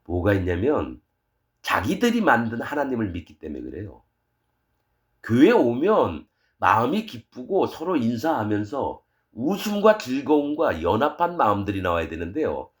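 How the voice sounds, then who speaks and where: A middle-aged man preaching a sermon as pastor, fiery and scolding, switching between loud outbursts and quiet asides. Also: mid-range voice, wildly swooping pitch, moderate pace.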